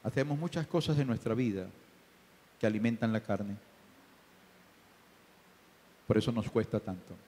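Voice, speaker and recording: A male pastor preaching a sermon, asking the congregation rhetorical questions, swinging from hushed asides to shouted peaks. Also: lowish voice, fairly quick. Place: church sanctuary. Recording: reverberant church hall.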